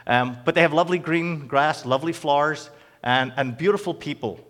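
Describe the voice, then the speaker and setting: A middle-aged man with a Northern Irish accent giving a personal testimony to a church audience, conversational and halting, with many ums and restarts. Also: fairly high pitch, fairly bright tone, long reverb tail. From Northern Ireland.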